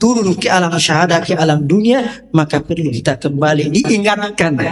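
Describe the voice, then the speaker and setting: Lively in intonation, a man talks at a high pitch. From Sulawesi, Indonesia. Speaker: Islamic preacher. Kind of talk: sermon.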